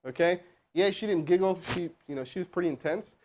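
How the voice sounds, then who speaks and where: A man hosting a live stream as a sales trainer, energetic and casual, with chatty asides to his crew. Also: high voice, a little fast, rough recording. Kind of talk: hyped live-stream coaching and cold calling. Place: indoor room with crew present.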